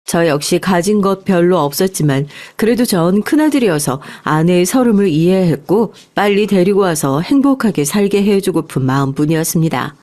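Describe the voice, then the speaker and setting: A woman's voice: lowish voice, expressive, moderate pace, hardly any pauses, darkish tone. A woman reading a scripted first-person life story aloud as a narrator.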